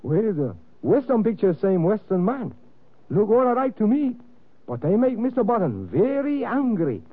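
A pushy broken-english chauffeur. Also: male voice, high-pitched, big pitch swings, normal speed, dry recording. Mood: concerned. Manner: clipped broken phrasing, insistent. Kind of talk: 1940s radio acting. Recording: tinny old radio broadcast.

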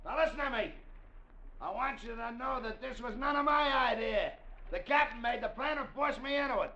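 A man's voice: normal speed, pushed and bright, highs cut off. An actor playing a frightened crewman in a 1940s radio drama, nervously pleading and bargaining. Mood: wheedling. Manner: pleading, nervous, high-strung.

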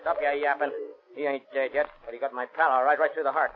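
A man's voice: medium pitch, level tone, fast, narrow, tinny audio, a loud crowd, natural voice. A man playing a hard, threatening 1930s American gangster boss in a radio crime drama, snarling slangy tough talk. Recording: thin, hissy old radio recording.

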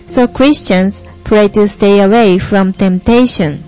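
A woman's voice: mid-range voice, slow pace, warm tone, lightly acted, poor audio. A young woman playing an earnest American Christian panelist in a scripted student stage play, over music. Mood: earnest, measured. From Japan. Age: young adult. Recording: music behind the voice.

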